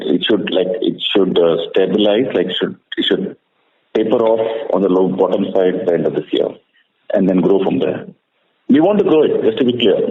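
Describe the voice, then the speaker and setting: A man with an Indian accent answering questions as a bank executive on a call, halting and repeating phrases to stress them. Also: deep voice. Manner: repetitive, halting, emphatic restating of phrases. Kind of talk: spontaneous answers to analyst questions. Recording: echoey narrowband phone line with faint noise.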